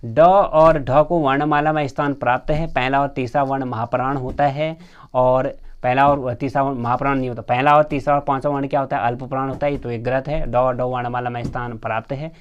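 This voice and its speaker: A man's voice: medium pitch, steady tone, brisk, smooth, dull audio. A man teaching a grammar lesson in quiz form. He reads each question aloud and then explains the answer, with frequent fillers, calling his viewers friends.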